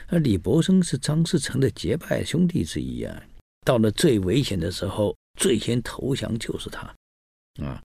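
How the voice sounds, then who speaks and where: Low husky guy chatting through old history, acts out all the lines, lots of ums. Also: moderate pace, no echo, studio quality. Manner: animated, acts out quoted dialogue, many fillers. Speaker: history storyteller. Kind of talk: casual history storytelling.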